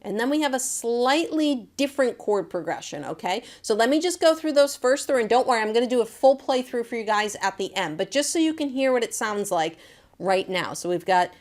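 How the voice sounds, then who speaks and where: A woman's voice: a little high, expressive, fairly quick, a little mellow. A woman giving a casual, chatty guitar lesson, talking informally and directly to viewers as their teacher. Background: acoustic guitar.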